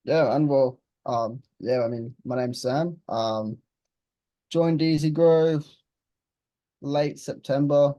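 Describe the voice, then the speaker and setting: Laid-back young man with a mellow voice. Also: mid-range voice, no echo, rough recording. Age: 20s. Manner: laid-back, blunt, swears casually. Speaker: interviewed client. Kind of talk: casual interview chat.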